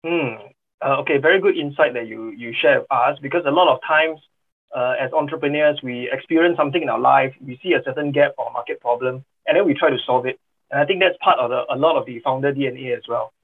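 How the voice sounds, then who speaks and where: A man hosting a business podcast, speaking haltingly with many "uh" and "you know". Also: medium pitch. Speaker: podcast host. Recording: phone-like line with faint music.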